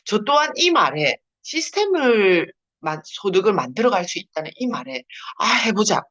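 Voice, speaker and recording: A woman's voice: medium pitch, very animated, moderate pace, fairly bright tone. A woman from Busan with a strong Gyeongsang accent, giving a chatty seminar talk over a video call and laughing often. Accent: Busan Gyeongsang dialect. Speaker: network marketing leader giving a seminar. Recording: dull lo-fi video call audio.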